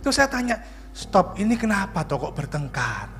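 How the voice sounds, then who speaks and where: A male pastor, preaching a lively sermon full of jokes and questions to the congregation. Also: sits high, moderate pace, soft background music. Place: church.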